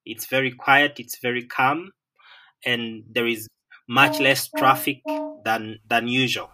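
Slow-spoken Ugandan man, bright tone. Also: mid-range voice, steady tone, slight background noise. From Western Uganda. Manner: measured, many "um" and "uh" fillers. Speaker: land management professional. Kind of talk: remote interview conversation.

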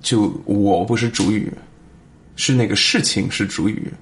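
Low-voiced foreign man with accented Mandarin, gravelly. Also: measured pace, a little hiss or hum. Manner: fluent, slips in English words. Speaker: podcast guest. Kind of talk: casual interview conversation in Mandarin as a foreign speaker.

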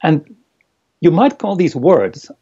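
A man's voice: a little high, sing-song, slow pace, dark tone, slightly rough. A man speaking as an interview guest, hesitant and careful, with many fillers and restarts. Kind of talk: casual interview chat. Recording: dull lo-fi recording.

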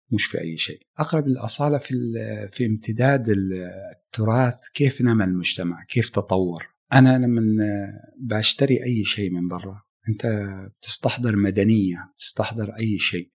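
A middle-aged man from Arabia, a musician guest talking in a casual interview, reflective and halting, often restarting his phrases. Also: on the low side, a little mellow, slightly rough. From Saudi Arabia.

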